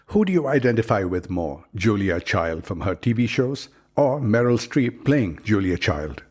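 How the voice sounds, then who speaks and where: A man hosting a literary interview, asking measured, wry questions. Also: on the low side, very animated, darkish tone, slightly rough. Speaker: interview host.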